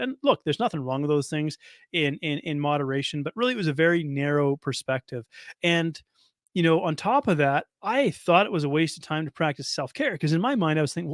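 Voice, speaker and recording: Hoarse, fast-talking male podcast coach. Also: a little high, fairly bright tone, no echo, studio quality. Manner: casual, chatty, many fillers and restarts. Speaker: nutrition coach and podcast host. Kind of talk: solo podcast talk.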